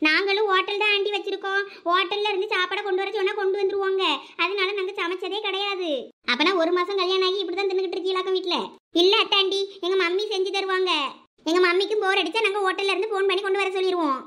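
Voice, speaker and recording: A voice actor plays a spoiled, food-loving young city bride in a village cartoon, using a childish, whiny manner and a Thoothukudi Tamil accent. The voice is extremely high-pitched, level, quick, pushed and bright, with a giddy mood.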